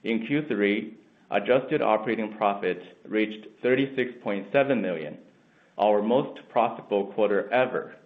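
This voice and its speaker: Low guy reading prepared earnings remarks, tinny phone line sound. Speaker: company finance executive. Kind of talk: scripted earnings call presentation.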